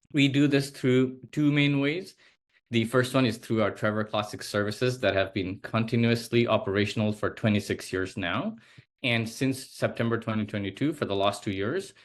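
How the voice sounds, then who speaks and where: A low-voiced man in his thirties, originally from Nepal, walks through a slide presentation over a video call. He speaks earnestly and steadily, with frequent small fillers between points. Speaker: advocacy presenter.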